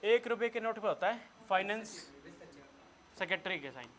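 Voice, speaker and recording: A man with a Hindi accent teaching a room of students, his voice high and bright as he quizzes them on facts. He keeps firing questions and telling the class what to note down. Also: animated, moderate pace. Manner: quizzes students and has them take notes. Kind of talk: classroom lecture.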